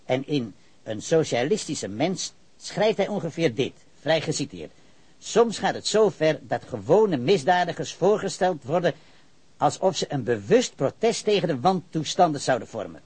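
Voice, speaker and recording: A man's voice: a little high, darkish tone, breathy edge, dry recording. An actor playing an evasive, argumentative, pedantic male witness with leftist ideals in a radio drama.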